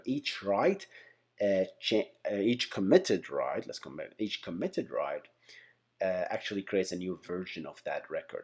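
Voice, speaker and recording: A man's voice: fairly low pitch, dark tone. A man giving an informal lesson as host, explaining by example in a rambling way, often repeating and correcting himself. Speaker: tech teacher and channel host. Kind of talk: casual whiteboard-style lesson, explaining by example.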